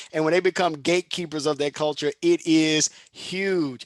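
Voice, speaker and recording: With a Southern US accent, the voice sounds dry and close with no echo against a quiet background. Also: man. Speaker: music education host. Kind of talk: panel discussion. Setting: video call.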